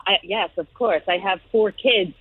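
A woman's voice: mid-range voice, normal speed, slight background noise. A woman being interviewed over the phone, chatty and laughing often. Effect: phone line. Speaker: interviewed mother. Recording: tinny phone line.

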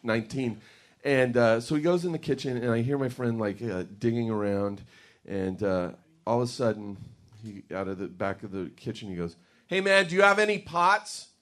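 A man's voice: fairly low pitch, moderate pace, a little mellow. A man doing a live stand-up set on a comedy club stage, telling a story with lots of fillers and acted-out quotes. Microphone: stage mic.

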